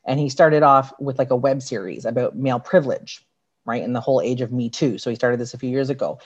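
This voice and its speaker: A woman's voice: very deep voice, fast, slightly rough. A woman chatting casually as a guest on a podcast. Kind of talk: casual chat. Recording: dull, lo-fi audio.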